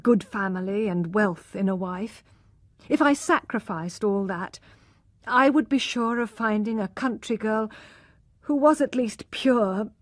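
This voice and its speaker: Rich: A hard, logical young husband who speaks forcefully and reproachfully, read by a woman. The delivery is slow and measured. It is recorded close in a dry room. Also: mid-range voice, no echo, close to an everyday voice.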